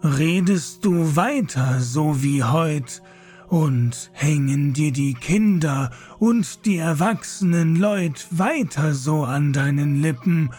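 A stern old priest in a radio drama, speaking very slowly in a husky, somewhat high voice. He admonishes solemnly, like a father correcting his charge. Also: expressive, a little mellow, faint music behind, full character voice. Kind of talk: German radio play acting.

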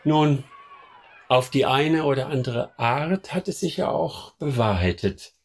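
A man's voice: medium pitch, lively intonation, measured pace, a little mellow, some chatter behind. A man playing a devout crusade follower who recalls the march in solemn, rhetorical radio drama narration.

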